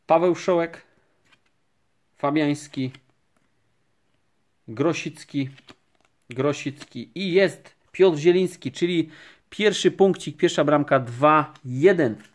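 Male vlogger, slightly high voice, slow and steady, counting through cards at a table. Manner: calm, unhurried, naming each card. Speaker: card collecting vlogger. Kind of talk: casual pack-opening commentary. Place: indoors at a table, camera overhead on hands.

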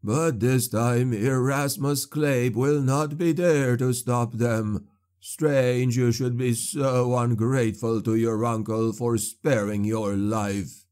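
A man voicing a broken old male sorcerer, locked in a cage, speaking slowly with a wheezing sneer. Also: mid-range voice, fairly even intonation, darkish tone, lightly acted. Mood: taunting. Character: broken old male sorcerer, caged, mocking then fawning.

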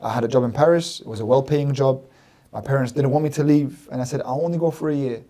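Talking at a quick pace, a London man in his thirties with a warm, dark, mid-range voice is the guest religious scholar on a podcast. His earnest explanation comes out emphatically, with repeated phrases in lists. He is in a small studio set with plants, speaking into a desk mic on a stand.

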